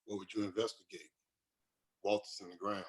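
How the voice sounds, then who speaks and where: A man's voice: fairly low pitch, little pitch movement, a little fast, close to an everyday voice. A man playing a weary, defensive company doctor, bitter and resigned, in a screenplay table read. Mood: evasive.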